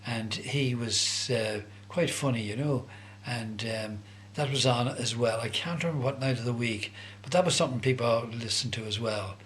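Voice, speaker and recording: A man's voice: medium pitch, moderate pace, few pauses, a bit bright, a little hiss or hum. An older man with a Dublin accent, casually reminiscing in a conversational, hesitant way as he searches for words. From Dublin, Ireland. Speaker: interviewee recalling his youth.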